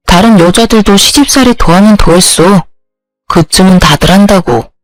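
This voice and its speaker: A man's voice: high-pitched, no room sound, natural voice, low-quality recording. A man playing a dismissive, selfish husband. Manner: offhand, dismissive. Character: dismissive selfish young husband, mama's boy.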